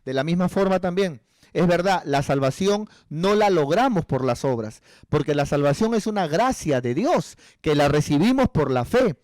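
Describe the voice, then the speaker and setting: Male pastor, pleading sermon delivery, higher voice, dry recording. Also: lively intonation, normal speed, a little mellow, no room sound. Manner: earnest, pleading, acts out dialogue.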